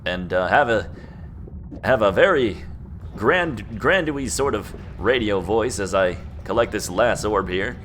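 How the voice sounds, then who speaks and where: Man doing a grand radio announcer voice, pompous, exaggerated, lowish. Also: expressive, measured pace, a bit bright, a little hiss or hum. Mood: mock-grand.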